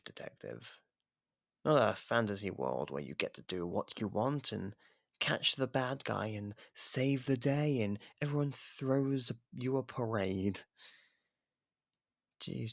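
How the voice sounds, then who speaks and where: Casting: male actor as a taunting, flirtatious imprisoned killer for ASMR roleplay; husky, unhurried, sarcastic drawl. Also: lowish voice, a bit bright, no echo, studio quality, heavily acted. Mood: scornful, mocking. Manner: drawling, sarcastic, teasing delivery. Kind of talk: ASMR roleplay audio drama.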